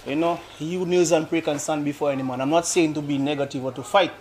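A man's voice: a little high, fairly even intonation, fast, darkish tone. A man answering hesitantly, urging people to pray more. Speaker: street interviewee.

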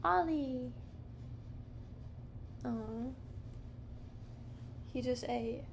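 A woman in her thirties hosting a podcast alone, rambling slowly and softly in a dim living room at night, with many fillers. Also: sits high, vocal fry, slight background noise, poor audio. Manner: slow, meandering, soft-spoken with many fillers. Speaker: podcast host. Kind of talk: rambling casual monologue. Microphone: camera close up, handheld or on a low stand.

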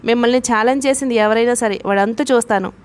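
A woman's voice: fairly high pitch, fast talker, natural voice. A woman voicing a huge, loyal male strongman while reading a novel aloud, making boastful, devoted promises.

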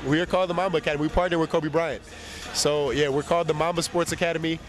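A young basketball player with a cold, his voice a little nasal, gives a casual, rambling interview into a handheld mic inside an empty indoor arena. He speaks rapid-fire in a fairly high, steady tone.

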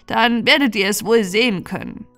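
A woman voicing a boastful, chatty old bog witch who explains her wares in an animated, matter-of-fact way for a fairy tale. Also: fairly high pitch, normal speed, faint music behind. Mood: confiding.

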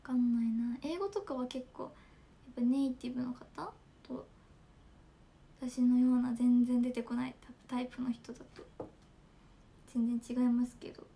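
Giggly high-voiced young woman streamer. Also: fairly even intonation, normal speed, gravelly, long pauses, warm tone. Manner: giggly, chatty, reads fan comments. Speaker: idol livestreamer. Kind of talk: casual livestream chat. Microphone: smartphone.

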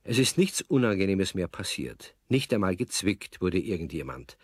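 A man's voice: low voice, sing-song, normal speed, breathy edge, no echo. A man narrating a children's story as a scripted narrator, speaking directly to young listeners.

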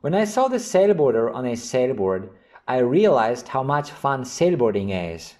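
Man teaching vocabulary, lively mellow voice. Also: medium pitch. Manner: slow, carefully enunciated reading of example sentences. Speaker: English teacher. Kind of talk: vocabulary lesson narration.

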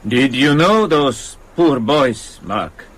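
A man's voice: mid-range voice, expressive, slow, a bit bright. An actor playing a solemn, probing male priest in a radio drama.

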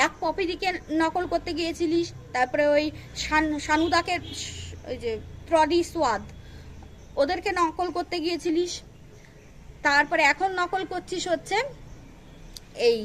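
Very high-voiced woman scolding on a vlog. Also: slight background noise. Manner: confrontational, scolding, repeats rhetorical questions. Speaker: roast vlogger. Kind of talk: scolding roast vlog monologue.

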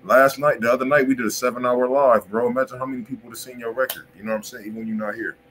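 A man with an American accent hosting a livestream, chatting in casual slang and pitching insistently, often repeating himself. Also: steady tone, very fast, a bit bright, slight background noise, low-quality recording. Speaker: music review stream host. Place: indoor room on a livestream.

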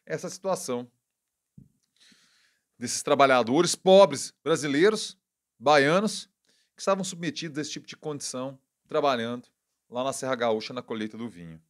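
Speaking at a medium pitch, a man with a Brazilian Portuguese accent hosts a channel where he comments casually on politics. His tone is wry and indignant, and he makes quick self-corrections.

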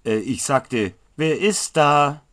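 A man's voice: fairly high pitch, slow pace, a bit bright, voice pushed up. A man playing a clumsy, easily annoyed, sturdy wizard's apprentice who hesitates and stammers in a fantasy audio story. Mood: alarmed, annoyed. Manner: hesitant, stammering with filler sounds.

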